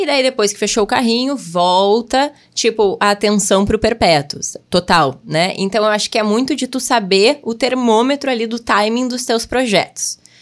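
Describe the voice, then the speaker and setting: Fairly high female speech at a moderate pace, pitch varying in an ordinary way. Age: 20s. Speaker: digital marketing entrepreneur. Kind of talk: interview. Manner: animated.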